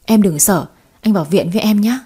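A woman's voice: mid-range voice, a little fast, dark tone, slightly rough, lightly acted. A woman voicing a young man who comforts his girlfriend. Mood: soothing. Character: young man, loving then panicked boyfriend.

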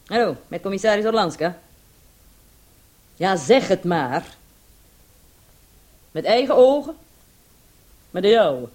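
Dry, lively-pitched female police commissioner. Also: slow pace, pauses often. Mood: businesslike. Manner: authoritative, dry. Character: brisk, self-assured female police commissioner, dryly authoritative. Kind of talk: radio play acting.

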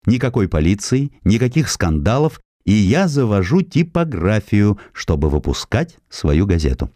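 A man's voice: fairly low pitch, sing-song, normal speed, mellow, dry recording, clean studio sound. A man voicing a proud, wealthy matriarch who founded a town, in an audiobook. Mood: proud, pleased. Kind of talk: audiobook narrator quoting a character.

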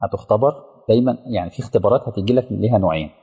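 A low-voiced, gravelly Egyptian preacher talks at a fast clip and keeps asking his listeners whether they follow him. His dark, husky tone rings out with a long tail of hall echo. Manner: engaging, asks the audience rhetorical questions. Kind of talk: colloquial religious lecture with storytelling. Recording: reverberant hall sound.

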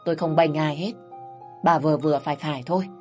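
A woman's voice: sits low, fairly even intonation, quick pace, warm tone, lightly acted. A woman voicing a stern older father-in-law. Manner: firm, reproachful. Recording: faint music underneath.

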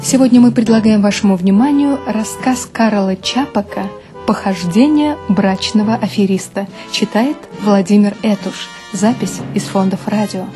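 A woman's voice: medium pitch, normal speed. A woman radio announcer giving a formal scripted introduction to a programme. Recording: archive radio with music behind. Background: instrumental music.

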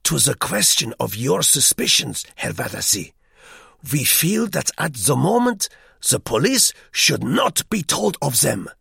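A man voicing a pompous middle-aged German hotel guest who speaks slowly and weightily, with a confiding air. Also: medium pitch, big pitch swings, gravelly, fairly bright tone, breathy edge, no echo, clean studio sound, pitched above the performer's own voice, heavily acted. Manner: weighty, confiding, slow-spoken.

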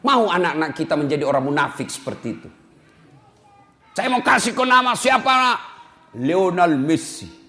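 A man in middle age delivers a sermon with lots of humor, addressing his listeners directly. His voice sits fairly high and swings widely in pitch. He has an animated, lively delivery. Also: a little fast. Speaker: preacher.

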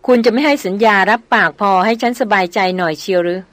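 A woman reading an audiobook novel, voicing a young aristocratic woman who speaks softly and coaxingly. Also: medium pitch, quick pace, no room sound, natural voice. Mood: pleading. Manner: soft, coaxing.

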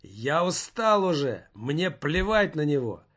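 A man's voice: a little high, sing-song, slow, a bit bright, heavily acted. A man voicing a tired male office worker who mutters wearily. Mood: weary. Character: weary worn-out young male office worker.

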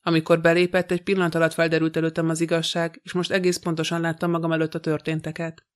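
A man reading a novel aloud in the first person, in an even, measured way. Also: a little high, clean tone. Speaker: audiobook reader.

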